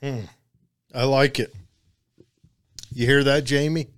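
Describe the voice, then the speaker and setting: A man hosting a casual chat, hesitant and halting, reading out viewer comments. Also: medium pitch, steady tone, clear, resonant tone. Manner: hesitant, many fillers and restarts. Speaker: host.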